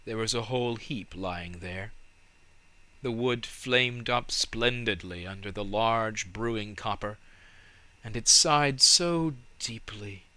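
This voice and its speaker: A man narrating a storybook in a measured, dramatic and expressive way. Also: fairly low pitch. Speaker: audiobook narrator.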